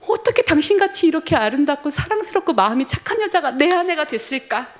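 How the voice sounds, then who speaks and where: A woman's voice: sits high, animated, fast, voice pushed up. A woman preacher voicing an adoring husband who tenderly praises his wife. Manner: tender, admiring.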